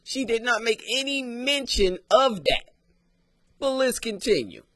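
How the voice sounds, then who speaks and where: A man giving sarcastic, emphatic casual commentary as he pauses and reacts to a clip. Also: very high-pitched, big pitch swings, a bit bright, no room sound, studio quality.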